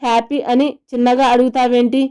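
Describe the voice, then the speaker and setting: A woman's voice: a little high, flat delivery, a little fast, warm tone, clean tone, close to an everyday voice. A woman voicing a remorseful, eager young husband in a romantic audio story, speaking earnestly.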